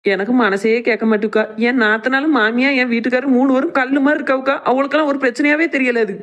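Young cartoon village wife voiced by a woman, fairly high, rapid teasing banter. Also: fairly even intonation, dull audio, lightly acted. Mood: earnest. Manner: sharp teasing banter, earnest.

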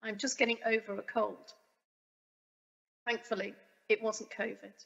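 Croaky woman from the UK, formal guest speaker, dull lo-fi reverberant video sound. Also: mid-range voice, level tone, a bit bright. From United Kingdom. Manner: formal and measured. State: croaky, getting over a cold. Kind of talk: pre-recorded conference presentation. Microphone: webcam video recording.

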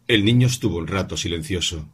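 A man narrating a literary story as an audiobook, reading slowly and expressively. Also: sits low, breathy edge.

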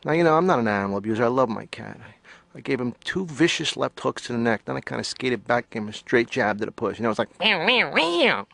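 Brash rambling patient, gravelly, dead-dry recording, cartoon. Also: male voice, mid-range voice, very animated, quick pace, no echo. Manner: loud, jokey, rambling. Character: brash rambling male patient, cocky and defensive. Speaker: therapy patient. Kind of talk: stand-up style rant.

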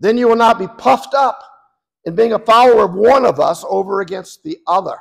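An older man in his seventies preaches with a raspy, hoarse voice full of gravel and fry. His pitch sits fairly high for a man, and he rambles through warm, self-deprecating asides between points. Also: a little fast, rough recording. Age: 70s. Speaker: guest preacher. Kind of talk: sermon.

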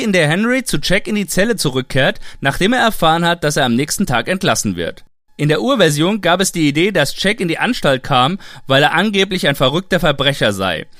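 A man's voice: on the high side, a bit bright, no echo, clean studio sound. A man giving informal explanatory commentary as the maker and presenter of an audio drama.

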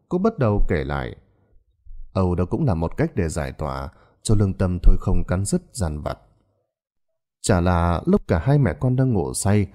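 A man narrating a horror story in a dramatic, expressive scripted style. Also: deep voice.

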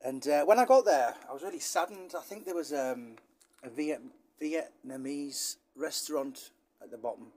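A man's voice: on the high side, normal speed, darkish tone, slight background noise. A man from Britain, a channel host talking in a chatty, rambling, wistful way with many fillers. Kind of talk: casual talking-head monologue.

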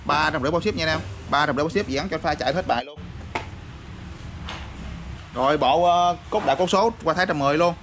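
A man showing off used motorbike parts in a rapid, repetitive sales patter full of fillers. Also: a little high, fairly bright tone. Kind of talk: casual product showcase sales patter. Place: parts shop or workshop. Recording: noisy backdrop with passing vehicles.

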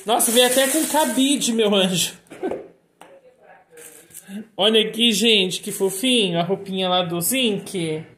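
A woman's voice: medium pitch, takes it slowly, pauses often, fairly bright tone, roomy sound, a little hiss or hum. A woman casually vlogging at home, cooing at her pets in baby talk.

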